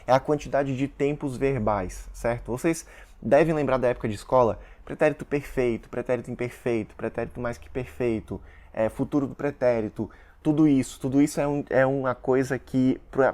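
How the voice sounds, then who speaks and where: A man's voice: mid-range voice, fairly even intonation, a little fast, a little mellow. Russian-born guy vlogging, chatty, explains stuff with lots of examples, normal mid voice. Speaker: Russian teacher and content creator. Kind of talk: casual explanatory vlog.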